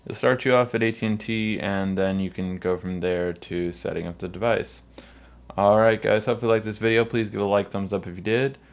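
A man's voice: fairly low pitch, steady tone, fairly quick. A man hosting a casual step-by-step tech tutorial, talking the viewer through each step. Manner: spells out his name letter by letter in intro and sign-off.

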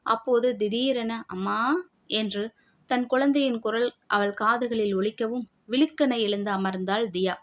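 A woman narrating an audio novel in a steady storytelling voice. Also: fairly high pitch, moderate pace.

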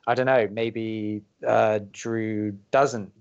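A man's voice: lowish voice, level tone, drawn-out words, gravelly, clean tone. Thoughtful man chatting, slightly dull audio. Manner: thoughtful, hesitant, searching. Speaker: voice actor. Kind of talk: casual commentary chat.

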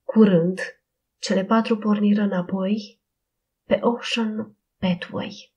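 A woman narrating a Christian audiobook in a steady, expressive reading style. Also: mid-range voice, lo-fi sound.

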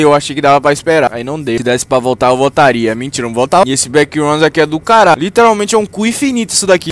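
Excitable, swearing young Brazilian gamer guy. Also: fairly high pitch. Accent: Brazilian Portuguese. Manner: profane, excitable, swings between yelling and muttering. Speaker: gaming youtuber. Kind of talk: gameplay commentary.

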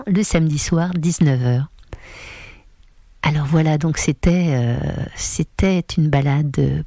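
A woman hosts a radio program and signs off to her audience. Her voice is mellow and dark, recorded dry and close in a studio. She speaks to the listeners directly, with hesitations between phrases. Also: sits low, no room sound. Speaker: radio host. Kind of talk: radio show sign-off.

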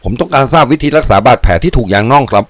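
A man voicing a ruthless, loyal young bandit lieutenant who speaks in harsh, measured commands. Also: mid-range voice, animated, voice pushed up, lightly acted. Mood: urgent.

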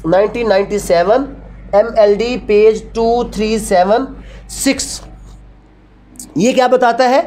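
Slightly high and darkish, the voice belongs to a Pakistani-accented woman teaching law in a classroom. She is didactic, asking questions she answers herself and combining Urdu with English legal phrases.

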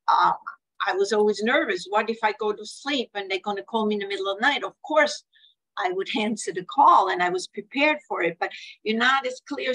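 A woman's voice: medium pitch, fairly bright tone, low-quality recording. An older woman with a Swiss accent talks on a video call from home. She speaks earnestly and tells stories, slipping into the voices of the family members she quotes. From Switzerland. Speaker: hospice speaker on care planning. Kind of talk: webinar talk with anecdotes. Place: home room, indoors.

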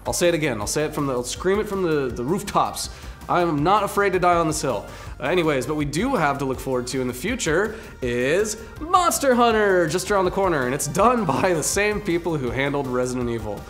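Lively young man co-hosting with loud bursts. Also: fairly high pitch, fairly quick, soft background music. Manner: animated, jokey, swings to loud bursts. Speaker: co-host. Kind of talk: casual scripted video commentary.

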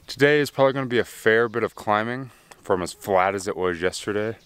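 Low, smooth-voiced man in his thirties, casual outdoor hiking vlog, handheld camera, easygoing and upbeat. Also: fairly quick, no room sound. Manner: relaxed, upbeat, trailing off into low mutters. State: slightly winded from climbing. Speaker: thru-hiker vlogger. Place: outdoors in open desert. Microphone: handheld camera at arm's length.

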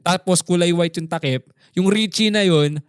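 A man from the Philippines in his thirties co-hosts a casual podcast chat. He tells stories animatedly, often swearing in passing. His voice sits high, and the sound is dry and close. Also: moderate pace, clean tone, no room sound. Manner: animated storyteller who acts out quoted voices, swears casually. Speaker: podcast co-host.

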